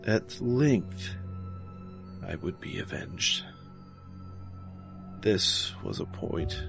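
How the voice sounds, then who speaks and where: A man narrating gothic horror in a deliberate, brooding, theatrical way. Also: low-pitched, gravelly.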